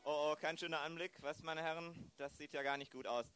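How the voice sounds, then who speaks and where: An officious police chief, played by a man in an amateur radio play. His voice is fairly high, and he talks formally, blustering as he gives orders. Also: steady tone, fairly quick, fairly bright tone, faint music behind, natural voice. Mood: officious, concerned. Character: officious male police chief, brisk and demanding.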